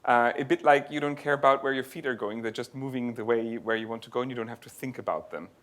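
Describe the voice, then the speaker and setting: Bright-voiced man giving a tech talk. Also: mid-range voice, fast. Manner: explanatory, thinks aloud with restarts. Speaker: conference speaker. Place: lecture venue.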